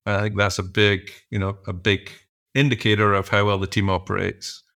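A middle-aged man with a lowish voice talks through his answers as a podcast guest. He is thoughtful and unhurried, often restarting a phrase before landing it. His delivery is conversational rather than polished. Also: level tone, vocal fry, sharp tone. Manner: thoughtful, halting, frequent restarts and fillers. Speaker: podcast guest, executive coach.

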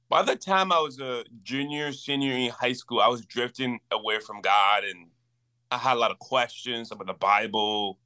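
A man in his twenties from Liberia, a campus minister telling his story as a guest in a casual interview, earnest and animated. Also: mid-range voice, smooth. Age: 20s.

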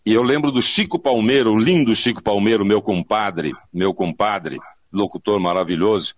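A man's voice: on the low side, moderate pace, no echo. An older Brazilian man telling anecdotes casually as an interview guest, repeating phrases for emphasis and acting out what people said. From São Paulo, Brazil. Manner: animated, acts out quoted speech, repeats phrases for emphasis. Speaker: interview guest, veteran of advertising audio and voice work. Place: remote online conversation.

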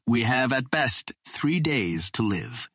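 A man's voice: medium pitch, very animated, slow pace, fairly bright tone, husky, dry recording, clean studio sound, full character voice. A man voicing a solemn alien ruler who addresses his council in formal oratory, in an audiobook. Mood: grave, urgent.

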